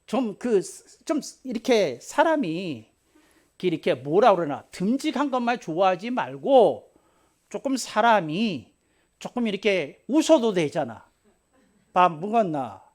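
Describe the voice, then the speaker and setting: Lively, playful Korean male pastor preaching. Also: sits high, a little slow. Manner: lively, playful preaching with laughs and acted asides. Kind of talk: sermon.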